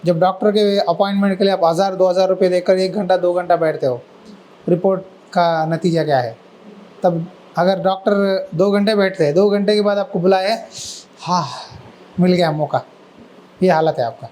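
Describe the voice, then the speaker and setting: A male pastor giving a sermon, telling a story with lively acted-out voices and asking the listeners questions. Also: high voice, normal speed, low-quality recording. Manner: asks the listeners questions and answers them.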